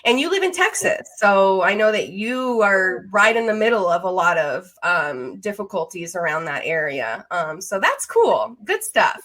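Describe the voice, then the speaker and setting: A woman in her thirties hosts a podcast with a medium-pitched voice. She talks informally and conversationally, with an enthusiastic, affirming manner toward her guest. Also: very animated, a little slow, few pauses, a bit bright. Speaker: podcast host. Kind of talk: casual conversational interview.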